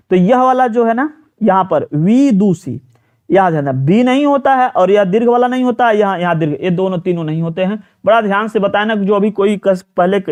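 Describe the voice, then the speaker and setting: A man's voice: high-pitched, a little mellow. A man from teaches a live online exam-prep class. He talks students through each question, repeats words and keeps asking them for answers, with plenty of fillers. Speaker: Hindi teacher.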